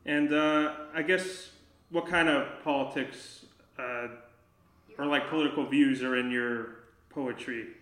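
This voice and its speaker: A man hosting a podcast interview, relaxed and a bit hesitant as he asks questions. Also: mid-range voice, measured pace. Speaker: podcast host. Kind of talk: casual interview chat. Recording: echoey room.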